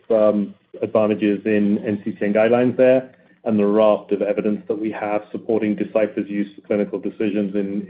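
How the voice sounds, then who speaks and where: Phone-like conference audio, low male voice, company executive, explanatory, restarts phrases, earnings call commentary. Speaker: company executive answering analysts.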